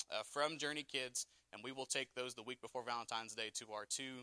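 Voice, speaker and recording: In a Southern US accent, a man talks at a fairly quick pace with medium pitch, fairly even intonation and a bright, sharp tone, the sound dry and close with no echo. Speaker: church announcer. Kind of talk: announcements. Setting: church.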